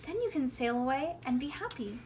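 Woman reading as gentle, high-voiced loving tree. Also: animated, fairly quick. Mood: generous. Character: gentle loving female tree, selflessly giving. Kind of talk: picture-book read-aloud. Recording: home recording with background noise.

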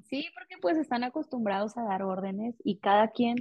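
A woman's voice: on the high side, normal speed, no echo. Woman, 30s, Mexican accent, pediatric dentist guest, casual and chatty, muffled dry audio. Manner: chatty, animated, acts out parents and children. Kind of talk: casual interview.

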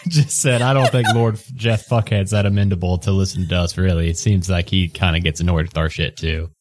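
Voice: deep voice, steady tone, fairly quick, darkish tone, slight background noise. A joking player in a casual tabletop game. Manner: joking, playful.

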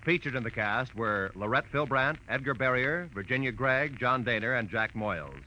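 A man's voice: medium pitch, animated, normal speed, pushed and bright, slight background noise. A man with an American accent reading scripted announcements as a 1940s radio network announcer. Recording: dull vintage radio broadcast with music.

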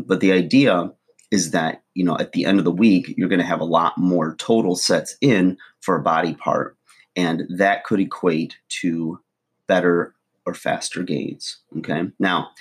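A middle-aged man with a hoarse, froggy voice from allergies, casually chatting to camera as a fitness vlogger, loose and full of ums. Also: deep voice. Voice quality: husky.

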